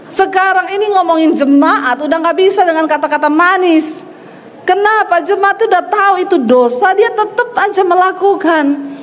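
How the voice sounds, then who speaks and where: Animated woman pastor preaching in a reverberant hall. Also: extremely high pitch, moderate pace. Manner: animated, acts out quoted voices, blunt and forceful. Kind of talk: sermon with storytelling.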